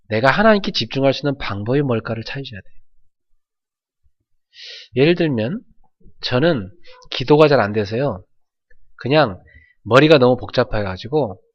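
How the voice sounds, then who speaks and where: A man's voice: mid-range voice, lo-fi sound. A man preaching a sermon as pastor, in an earnest, conversational way with emphatic swells.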